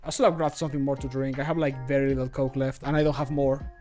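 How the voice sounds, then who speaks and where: A man's voice: mid-range voice, little pitch movement, quick pace, warm tone, soft background music. A man in his thirties chatting casually on a livestream from a small room at home, joking, commenting on what he does and swearing lightly. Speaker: streamer recording mod voice lines.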